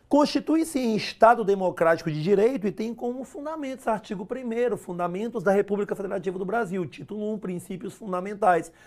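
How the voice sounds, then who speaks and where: A man's high-pitched voice, fairly quick and with lively intonation and hardly any pauses. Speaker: law teacher. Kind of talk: online lecture. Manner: fast; animated, informal.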